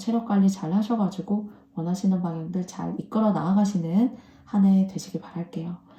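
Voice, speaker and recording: A soft-spoken woman of medium pitch, fairly even intonation and moderate pace. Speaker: tarot reader. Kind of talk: tarot reading. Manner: polite, formal.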